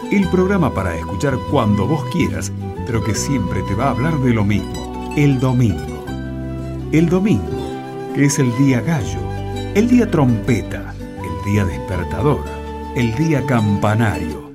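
A low-voiced man narrates with lively, swooping intonation and a Rioplatense Argentine accent. The delivery is scripted and emphatic, set over clear music. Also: a little slow. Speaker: narrator and announcer. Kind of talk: scripted, dramatic radio narration.

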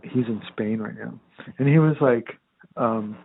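A man's voice: mid-range voice, a little slow, gravelly, slightly rough. A man in casual chat, telling stories in a sarcastic, profane way full of fillers. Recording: tinny phone-like sound.

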